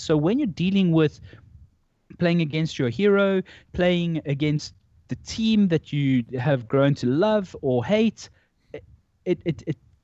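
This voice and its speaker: With a South African accent, a man at a fairly high pitch speaks in an animated tone with lively intonation, at a fairly slow pace with long, frequent pauses. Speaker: esports commentator. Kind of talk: podcast discussion.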